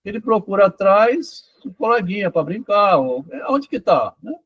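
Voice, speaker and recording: Homem de voz rouca e aguda. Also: male voice, high-pitched, very animated, normal speed, fairly bright tone, dull audio. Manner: rambling, frequent "tá?" and "né?" checks. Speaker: author discussing his doctoral thesis. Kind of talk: casual conversation about psychoanalysis and literature.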